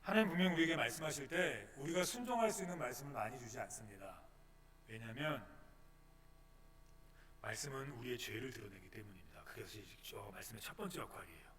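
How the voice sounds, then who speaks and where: A man's voice: medium pitch, animated, quick pace, a bit bright, slight background noise. A male pastor preaching a dramatic sermon in a church, acting out the complaints of the congregation. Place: church sanctuary. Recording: long church-hall reverb.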